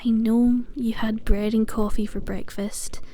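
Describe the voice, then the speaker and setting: A woman playing a possessive, lovesick asylum inmate in an ASMR roleplay, cooing endearments with breathy sighs and a sweetly menacing edge. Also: fairly high pitch, little pitch movement, unhurried, warm tone, lightly acted. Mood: teasing, doting, controlling. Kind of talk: ASMR roleplay, intimate scripted monologue.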